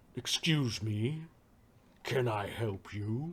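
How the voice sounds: A man puts on a character voice that is husky and medium in pitch.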